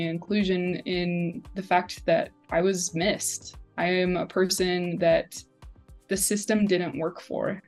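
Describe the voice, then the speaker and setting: A woman in her twenties speaking earnestly as a patient advocate in a testimonial interview. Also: on the low side. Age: 20s.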